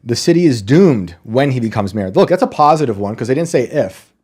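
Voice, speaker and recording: A man's voice: mid-range voice, big pitch swings, brisk, darkish tone, breathy edge. A man hosting a podcast interview, wry and joking, laughing often. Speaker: podcast host. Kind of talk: casual interview chat.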